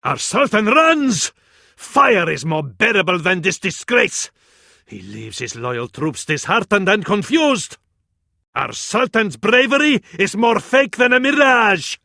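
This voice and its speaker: In full character voice, a fervent Arab military advisor from a strategy game scorns and counsels a sultan, his high, bright, forceful male voice showing an Arabic accent and some vocal fry. He takes it slowly in a sing-song, ornate, dramatic manner rich in proverbs, as theatrical video game voice acting. The recording is very dry and close.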